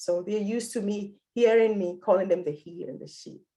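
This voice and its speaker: Her voice is medium in pitch with vocal fry and a dark, mellow tone, as this woman speaks at a moderate pace with ordinary pitch variation. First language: a language without gendered pronouns. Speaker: professor. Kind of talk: lecture.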